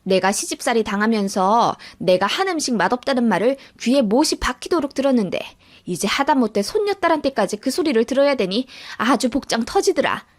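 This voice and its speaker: A woman's voice: on the high side, animated, brisk. A woman voicing a grudging older mother-in-law in a radio-drama story, with curt, dismissive retorts. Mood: bitter.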